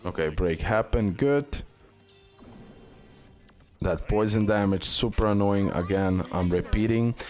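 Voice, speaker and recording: A man's voice: fairly low pitch, unhurried, long pauses, darkish tone, faint music behind. A man hosting a game guide and showcase, talking through it with some hesitant, repetitive phrasing. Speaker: gaming video host.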